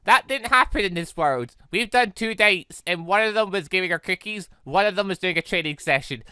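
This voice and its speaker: Animated, bright-voiced gaming video host. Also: mid-range voice, a little fast, clear, resonant tone, no room sound. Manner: chatty, digressive, self-correcting. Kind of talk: casual rambling game commentary.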